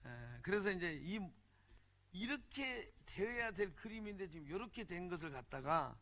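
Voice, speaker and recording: A man's voice: high voice, moderate pace. A man preaching a sermon at a church retreat in a blunt, humorous, colloquial way, often calling out for the congregation to answer "amen.". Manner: animated, calls for "amen" and "hallelujah" responses; colloquial, blunt and humorous, mimics regional speech. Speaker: pastor.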